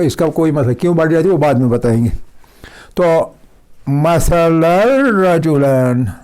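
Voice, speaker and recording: Male teacher giving a quran reading lesson, slow and patient, mellow voice, a bit high. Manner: patient, repeats example words slowly and drawn out; checks understanding with the class. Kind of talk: classroom lesson.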